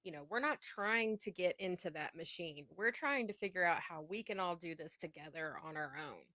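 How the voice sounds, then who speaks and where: Enthusiastic low-voiced woman host. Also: animated, moderate pace, bright, forceful tone. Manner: enthusiastic, agreeable, affirming. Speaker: interviewer, book community host. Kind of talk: casual conversational interview.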